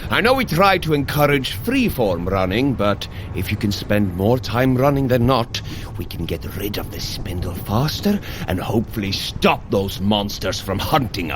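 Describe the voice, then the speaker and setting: An actor playing a hearty, jovial male thunder god who cheers on a runner in a scripted audio drama and laughs easily. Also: medium pitch. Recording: music bed under the voice.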